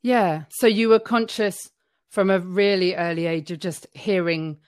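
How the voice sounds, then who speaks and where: A woman's voice: fairly low pitch, steady tone, a little slow, clean tone. A woman hosting a podcast interview, encouraging and affirming her guest with frequent yeahs. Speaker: podcast host. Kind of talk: casual interview chat.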